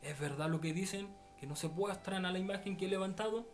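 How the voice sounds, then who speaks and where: Angry old-time king making threats, a preacher doing it, highish voice. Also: fairly quick, soft background music, natural voice. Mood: stern threatening. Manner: stern, threatening questions. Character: ancient male king, proud and wrathful.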